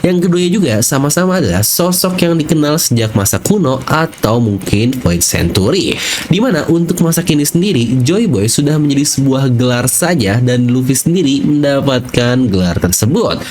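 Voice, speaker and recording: A man's voice: medium pitch, animated, moderate pace, darkish tone, a little hiss or hum. A man giving a casual, chatty explainer commentary as a video host, addressing viewers directly and drawing out the ends of phrases.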